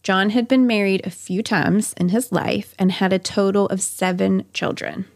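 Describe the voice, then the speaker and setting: A woman's voice: medium pitch, moderate pace, no room sound. A woman hosting a podcast, telling a true-crime story conversationally with chatty asides. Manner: chatty asides amid narration. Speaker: podcast host.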